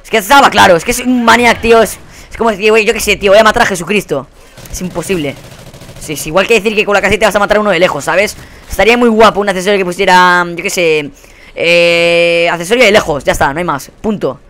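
A young man with a Spain Spanish accent giving live gameplay commentary. He rants in a profane, exasperated way and often bursts into yelling. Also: high-pitched, quick pace. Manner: profane, exasperated ranting with sudden yelled outbursts. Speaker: gaming channel host.

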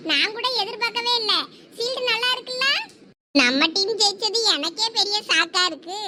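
Woman acting mother, anxious, rushed, very high voice, noisy outdoor recording. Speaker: skit actor playing several village characters. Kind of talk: village comedy skit acting.

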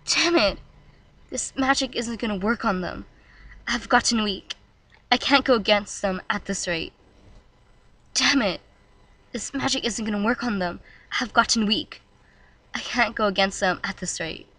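A woman's voice: mid-range voice, unhurried, pauses often, bright, forceful tone, low-quality recording. A woman doing an urgent young heroine. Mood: frustrated. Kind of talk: voice audition reading.

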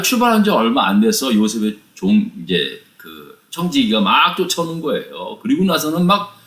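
A male pastor tells a scripture story in an animated way, checking in with his listeners through rhetorical prompts. His pitch rises and falls expressively across a middle range. The church room gives his voice a noticeable echo. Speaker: pastor teaching Bible study. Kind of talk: Bible study lesson. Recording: echoey room.

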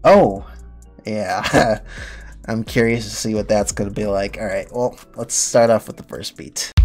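A young gaming channel host, sniffly from a cold, gives casual game commentary from a home room indoors on a headset mic, with laughs and rambling asides. His voice is fairly low, at a measured pace, over soft background music.

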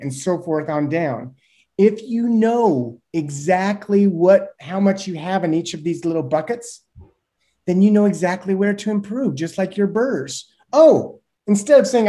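A man in his thirties, a guest expert explaining things animatedly to a host over a video call from a small room. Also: high-pitched. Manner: animated, gestures with hands, uses homely examples. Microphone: webcam on a video call.

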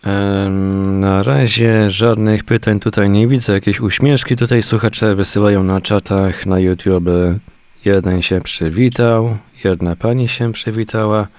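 A man's voice: fairly low pitch, fairly even intonation, unhurried, a little mellow, no echo. A man co-hosting an online radio broadcast, speaking casually as he relays updates. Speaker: radio co-host relaying chat.

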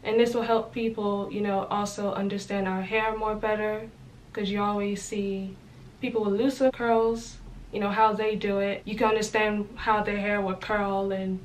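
A woman's voice: medium pitch, level tone, normal speed, a little hiss or hum, rough recording. A young woman vlogging in casual chat, emphatic and opinionated, in a small indoor room. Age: young adult.

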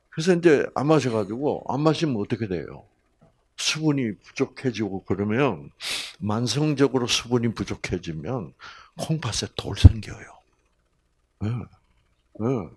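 A middle-aged man gives a folksy health lecture at an unhurried pace. His voice has a husky edge. He pauses often with fillers and slips in homely humor. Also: lowish voice, very animated, a little mellow. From Gyeongsang region, South Korea.

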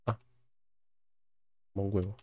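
He's a YouTuber with a Spain Spanish accent, narrating a video game in a chatty, joking way and voicing its text as he goes. The delivery is unhurried and darkish in tone, captured in a dry recording.

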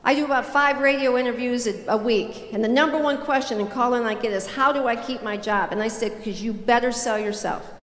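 Older lady doing a punchy keynote on stage, kinda high voice, big echoey hall. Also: fairly quick, few pauses, a bit bright. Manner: punchy, emphatic, audience-addressing delivery. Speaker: keynote speaker. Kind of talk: motivational keynote speech. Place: large conference stage. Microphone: handheld mic. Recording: roomy hall with long reverb.

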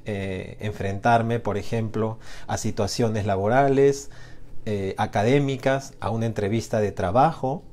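A man's voice: fairly low pitch, fairly even intonation, unhurried, darkish tone. A man hosting a live Spanish lesson, speaking in an encouraging way with frequent hesitations. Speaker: Spanish teacher and host. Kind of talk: live-streamed language lesson chat.

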